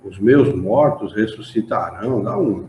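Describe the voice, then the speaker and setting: His voice is fairly low and animated, paced in a measured way, as this man with a Brazilian Portuguese accent explains texts to a spiritist study class and asks them rhetorical questions. Recorded in a study association's meeting room, the sound is roomy, dull, lo-fi, with slight hiss or hum.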